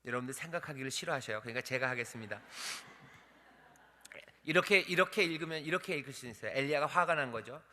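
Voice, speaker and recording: A man's voice: mid-range voice, animated, quick pace, bright, forceful tone. A male pastor preaching a sermon, asking the congregation questions and dramatically acting out the voices in the story. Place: church sanctuary. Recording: church hall reverb.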